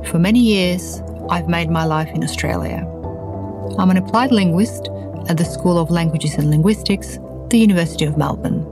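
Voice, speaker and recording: A woman from Ukraine hosting a podcast, narrating in a calm, measured scripted way. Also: fairly low pitch, music in the background. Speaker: podcast host and applied linguist.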